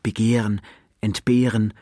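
A man narrating a television portrait in a measured, literary way. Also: fairly low pitch, heavy background noise. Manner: measured, expressive, literary phrasing. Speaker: documentary narrator. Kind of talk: scripted narration.

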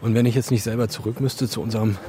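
A man's voice: medium pitch, little pitch movement, racing, dark tone. Young male reporter, outdoor park interviews, blunt friendly questions. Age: young adult. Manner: chatty, direct questions. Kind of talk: casual street interviews.

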